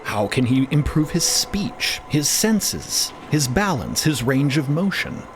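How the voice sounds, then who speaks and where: A man's voice: a little high, very animated, slow pace, a little hiss or hum. A man narrating scripted audio fiction in a dramatic storytelling style.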